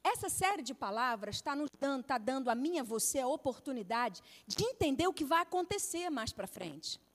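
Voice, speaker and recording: Brazilian woman preacher, middle-aged, high voice, animated storyteller, reverberant hall. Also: a little fast. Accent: Brazilian Portuguese. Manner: storytelling, animated with acted-out quotes. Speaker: pastor's wife preaching. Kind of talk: sermon.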